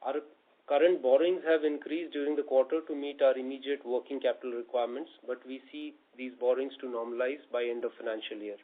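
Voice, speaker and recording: A thin, phone-like conference line carries a man with an Indian accent and a mid-pitched voice. He presents company figures as a finance officer would, formally and methodically from a script. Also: steady tone, fast. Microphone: conference call line.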